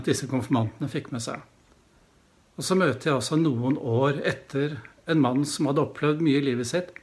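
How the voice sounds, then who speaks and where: A middle-aged male pastor telling a story in a sermon, reflective and hesitating now and then. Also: medium pitch.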